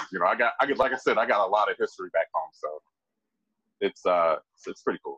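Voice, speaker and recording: A man with an American accent talks at a very fast pace, broken by long, frequent pauses. The sound is dry and close with no echo. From Jacksonville, Florida. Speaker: craft beer group founder. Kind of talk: casual interview chat.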